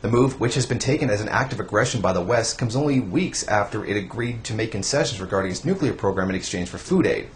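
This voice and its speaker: A young man reading scripted political news commentary in a formal, measured newsreader manner. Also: fairly low pitch, expressive. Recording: faint background noise.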